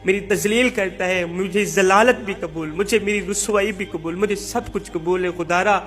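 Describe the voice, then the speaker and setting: A man voicing a weeping wife pleading softly. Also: high voice. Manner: pleading, repetitive lament.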